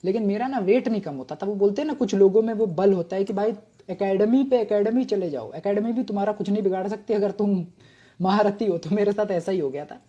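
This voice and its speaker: A man's voice: high voice, fairly quick, warm tone, highs cut off. A man in his thirties, a retired army officer from Bengal, telling his own story in a chatty, humorous, self-mocking way. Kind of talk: casual storytelling monologue.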